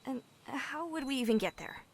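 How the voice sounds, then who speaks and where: A woman's voice: high-pitched, animated, normal speed, slight background noise. An actress playing a hesitant, self-doubting young woman who sings and plays violin in a video game. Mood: doubtful. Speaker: game character.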